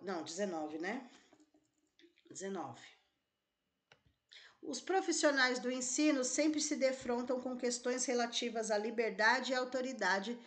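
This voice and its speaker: A woman's voice: a little high, fairly bright tone. A woman teacher with a Brazilian accent, reading exam questions aloud and thinking through the answers, often checking in with her class. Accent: Brazilian Portuguese. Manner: thinks aloud, rechecks answers, tags lines with "né?" and "tá?". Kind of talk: exam-prep lesson, reading and solving test questions.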